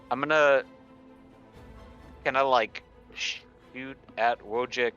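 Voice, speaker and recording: Slow-talking man with a bright, forceful voice. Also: mid-range voice, lo-fi sound. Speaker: player in a tabletop game. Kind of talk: casual game chat.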